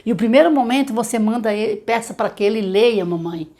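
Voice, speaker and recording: A middle-aged Brazilian woman, a literacy teacher, giving reading tips straight to parents and slowly sounding out sample words. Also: a little high, expressive. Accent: Brazilian Portuguese. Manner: warm direct advice to mothers, slow syllable-by-syllable demonstrations. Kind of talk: tutorial talking to parents.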